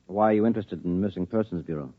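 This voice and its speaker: An actor playing a guarded, curt investigator and weary husband in a 1950s-style radio drama, blunt and clipped, with a slightly husky voice. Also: male voice, sits low, rapid-fire, dry recording, phone-quality sound. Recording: thin, boxy old radio recording.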